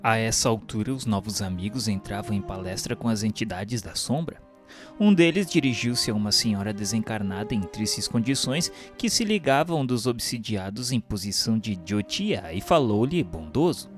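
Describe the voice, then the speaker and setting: A man narrating a radio serial in scripted literary first person, with formal, measured delivery. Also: on the low side, expressive, natural voice. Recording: music bed behind the voice.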